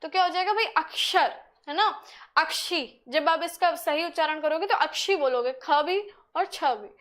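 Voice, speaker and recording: Young female teacher, very high-pitched, conversational lesson delivery with rhetorical questions. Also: normal speed. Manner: rhetorical questions to students, chatty. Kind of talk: whiteboard grammar lesson.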